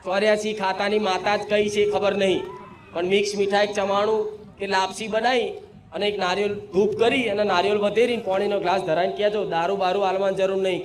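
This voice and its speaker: This man's voice sits high as he preaches to a crowd as a spiritual medium channeling the goddess. His possessed sermon is commanding and declamatory, drawing the listeners into call-and-response chants in an echoey room with faint background noise.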